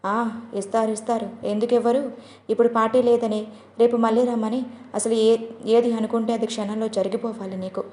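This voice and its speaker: A woman's voice: fairly high pitch, little pitch movement, moderate pace, mellow, close to an everyday voice. Outspoken young woman friend, sarcastic and scolding, played by the woman narrator; storybook audio, roomy. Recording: roomy echo.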